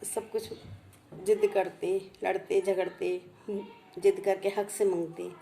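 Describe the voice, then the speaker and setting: A woman speaking slowly and heartfelt as she recalls her past, repeating each phrase twice. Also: mid-range voice, little pitch movement, vocal fry, dark tone, a little hiss or hum. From India. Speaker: vlogger sharing memories. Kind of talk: personal reminiscence.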